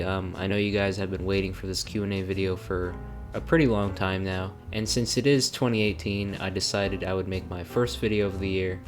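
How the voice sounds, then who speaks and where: A young man who sounds bored and flat, narrating a casual Q&A video as a YouTuber. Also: on the low side. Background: background music.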